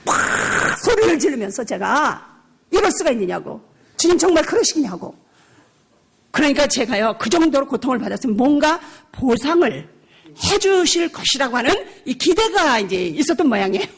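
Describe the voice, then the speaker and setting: An older woman missionary preaching a revival sermon, telling a personal story with lively acted-out dialogue and frequent laughter. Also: sits high, fairly quick, gravelly, husky. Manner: animated storytelling, acting out her own shouting; laughs often while preaching.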